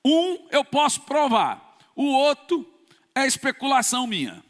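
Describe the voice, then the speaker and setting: A man's voice: extremely high pitch, wildly swooping pitch, unhurried, a bit bright. A man from Brazil, a pastor preaching an emphatic sermon with sudden bursts of force. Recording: long church reverb.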